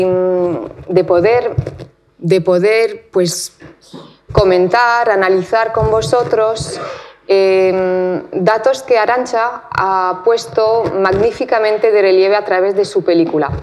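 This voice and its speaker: Woman giving a measured academic lecture. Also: mid-range voice, a little mellow, a little hiss or hum. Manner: measured, with frequent fillers and repeated words. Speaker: guest lecturer, researcher. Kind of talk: academic conference talk. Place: lecture hall.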